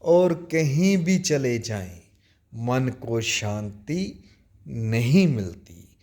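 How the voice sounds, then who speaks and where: Slow, deliberate spiritual teacher, man. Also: mid-range voice, sing-song, a little mellow. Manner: slow, deliberate, with long pauses. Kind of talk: spiritual talk on meditation.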